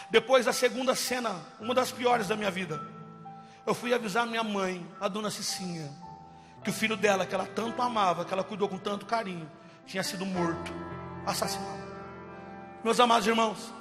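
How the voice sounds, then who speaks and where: Impassioned high-voiced male preacher. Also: long reverb tail. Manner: impassioned, swings from loud cries to hushed. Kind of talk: testimony sermon.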